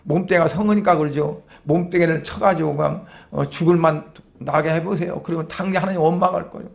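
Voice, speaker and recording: A preacher voicing Satan, wheedling and dismissive, in a quick, low retelling. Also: male voice, fairly even intonation, creaky. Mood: scoffing. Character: sly scoffing male Satan.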